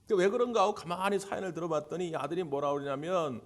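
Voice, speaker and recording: A man's voice: a little high, fast. A male pastor preaching at a church service, telling stories, acting out the people in them, and putting questions to the congregation. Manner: storytelling, acting out quoted voices. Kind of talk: sermon.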